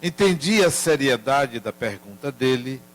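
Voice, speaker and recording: An older man giving a spiritist lecture, telling a family story in a gentle, measured way. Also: mid-range voice, animated.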